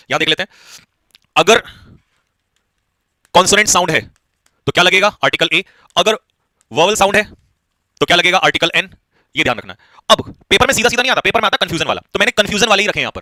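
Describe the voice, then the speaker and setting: A man with an Indian accent runs an exam-prep grammar class at a brisk clip, firing questions and answering them himself. His voice sits high and sounds sharply bright. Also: no echo. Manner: quick, drilling with repeated questions to students. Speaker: English grammar teacher. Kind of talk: online exam-prep lesson.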